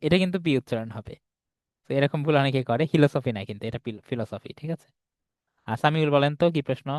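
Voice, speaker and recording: Man teaching online class, patient, explains step by step, fairly high voice, dry close sound. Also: no echo. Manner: explains patiently, keeps checking students follow. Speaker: English teacher. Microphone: video call.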